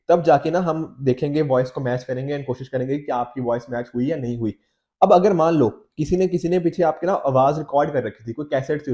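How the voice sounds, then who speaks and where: A slightly high, dark-toned male voice belongs to an Indian teacher and exam coach lecturing on newspaper editorials in a Hindi-English mix. He explains in a conversational way, frequently checking in with his audience, his throat a bit off from a slight cold.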